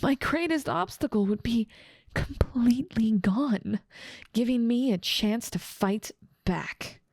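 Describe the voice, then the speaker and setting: A woman's voice: on the high side, slow pace, slightly rough, no echo, clean studio sound, heavily acted. A woman voicing a smug, scheming evil witch. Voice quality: frequent soft whispering. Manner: smug, condescending, toying with a captive. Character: cold, scheming evil witch, ambitious and controlling. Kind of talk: ASMR audio roleplay.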